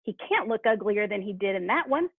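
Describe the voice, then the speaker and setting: A woman's voice: medium pitch, expressive, a little fast, husky, dry recording. A woman playing a callous, brazen working-class scavenger in an amateur dramatised reading. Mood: scornful, brazen. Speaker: library staff reader in a play. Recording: thin tinny phone-like sound.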